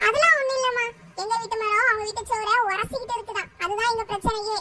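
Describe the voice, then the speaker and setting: A cartoonish character voice, female-sounding and extremely high in pitch, at a moderate pace. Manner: sharp, dismissive.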